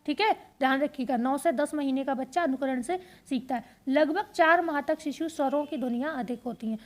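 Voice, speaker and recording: Woman teacher doing exam prep lecture, pretty high voice, asks a question then answers it herself. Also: a little fast. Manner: explains step by step, repeating key points as questions and answers.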